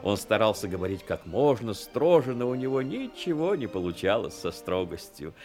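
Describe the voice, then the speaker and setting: Expressive male storyteller with swooping intonation. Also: on the low side, normal speed, soft background music. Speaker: narrator of a radio play. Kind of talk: scripted literary narration.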